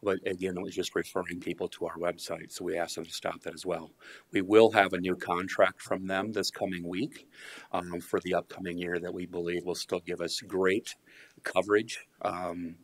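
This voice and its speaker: Deep monotone guy at a meeting podium, gravelly, polite budget talk. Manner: measured, polite, uses fillers. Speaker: county HR director presenting budget. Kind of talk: formal budget presentation. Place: county commission meeting room. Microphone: podium mic.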